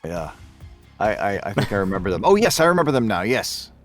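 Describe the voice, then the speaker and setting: A man's voice: on the low side, sing-song, brisk, faint music behind. A man who works as a voice actor, talking casually in a group interview. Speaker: voice actor, podcast cast member. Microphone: recording from home closet.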